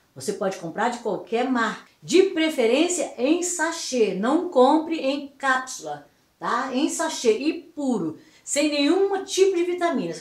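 A woman is speaking against a quiet background. Room echo is audible. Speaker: lifestyle vlogger. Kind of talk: casual vlog advice. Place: kitchen.

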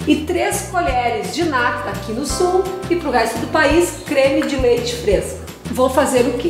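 A woman speaks at a very slow pace with audible room echo. Clear music plays in the background. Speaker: cooking show host. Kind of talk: tutorial. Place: kitchen.

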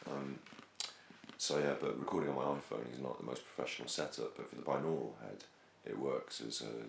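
Soft-spoken, a man talks at a fairly quick pace in a very deep, low voice with fairly even intonation. Audible room echo and light background noise can be heard. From British. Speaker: ASMR video creator. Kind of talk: ASMR talk to camera. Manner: soft-spoken, rambling, conversational. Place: home room. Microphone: phone near.

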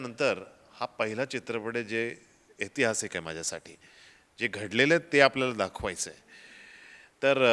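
Here a man speaks at a medium pitch with a bright, sharp tone. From Mumbai, India. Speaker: film actor. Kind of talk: interview.

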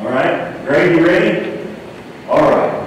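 There is strong room echo and light background noise as a man speaks. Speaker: speaker, skit narrator. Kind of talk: sermon-style storytelling narration. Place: church.

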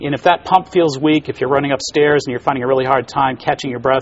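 A man talks at a very fast pace with fairly even intonation. Light background noise can be heard. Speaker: natural health expert. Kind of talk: TV segment interview answers. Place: studio. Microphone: lapel.

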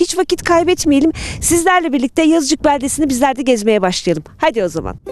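Over music in the background, a woman talks at a fairly quick pace with a high pitch, in a dry sound with no echo. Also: lively intonation. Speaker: TV travel show host. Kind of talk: TV travel presenter piece to camera. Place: open country. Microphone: handheld.

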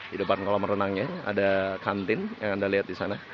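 A man's fairly low pitch, a dry sound with no echo, and noticeable background noise. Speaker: tour guide vlogger. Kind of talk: walking tour commentary. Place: waterside. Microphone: phone near.

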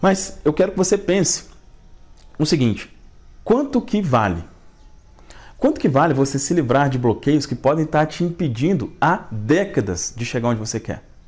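A man speaks at a moderate pace in a fairly high, somewhat breathy voice. His pitch swings very widely, and he takes long, frequent pauses. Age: 30s. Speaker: mindset coach. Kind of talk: video lesson with sales pitch. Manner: conversational, direct address. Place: home room. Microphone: lapel.

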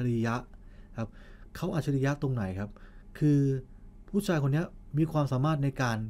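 Fairly high-pitched male voice, dark and mellow in tone, with ordinary pitch variation. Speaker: movie recap YouTuber. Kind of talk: movie recap narration. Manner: sounds affected to listeners, but says it is natural.

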